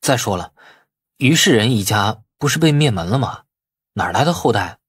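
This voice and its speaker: A man's voice: on the low side, animated, normal speed, husky, no echo, clean studio sound. A man voicing a cocky yet easily flustered businessman in audiobook dialogue, eager and informal. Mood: bewildered, protesting.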